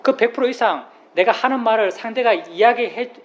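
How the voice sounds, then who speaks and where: A Buddhist monk giving a plain-spoken dharma talk, who repeats key phrases and explains with everyday examples. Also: male voice, very high-pitched, fairly quick. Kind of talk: dharma talk to a meditation group. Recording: slightly dull recording with faint room noise.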